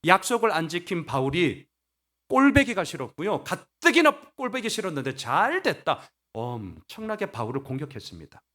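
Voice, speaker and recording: A man preaching a sermon as pastor, animated, acting out voices and asking the congregation questions. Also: fairly high pitch. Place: church sanctuary.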